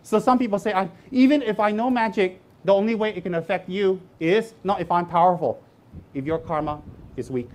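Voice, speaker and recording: Blunt joking Buddhist teacher. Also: male voice, high voice. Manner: blunt, humorous, repeats phrases for emphasis. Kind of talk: dharma talk.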